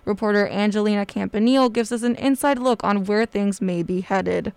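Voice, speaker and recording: A woman's voice: mid-range voice, a little fast, vocal fry, a little mellow, clean tone, no room sound. A young woman presenting scripted news as a radio host.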